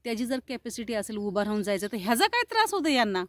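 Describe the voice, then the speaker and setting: A woman's voice: fairly high pitch, sing-song, fairly bright tone, no echo. A woman vlogger telling an angry story, quoting the people she argued with. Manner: indignant, rapid retelling with quoted dialogue.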